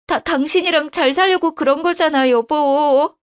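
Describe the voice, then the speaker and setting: A woman's voice: high-pitched, normal speed, voice pushed up, natural voice. A woman voicing a young wife who pleads and stammers tearfully. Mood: pleading.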